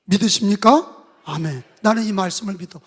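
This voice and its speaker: A man preaching a sermon as pastor, telling the story dramatically and acting out the voices, his volume swinging from loud to soft. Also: high voice, a little fast, breathy edge. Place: church sanctuary. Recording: long hall reverb.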